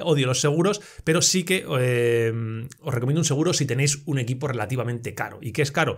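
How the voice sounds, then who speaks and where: Words come out very fast from a man whose pitch varies in an ordinary way. Behind him, all is quiet. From Spain. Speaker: photography youtuber. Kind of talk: casual vlog monologue. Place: home room.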